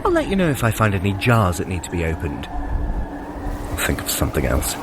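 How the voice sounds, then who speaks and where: A sly, sardonic god, swooping intonation. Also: male voice, low voice, huge pitch swings, normal speed, heavy background noise. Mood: dry, cautious. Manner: dry sarcasm, formal elevated diction. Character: Loki, sly cautious trickster god brother. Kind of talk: scripted audio adventure drama acting.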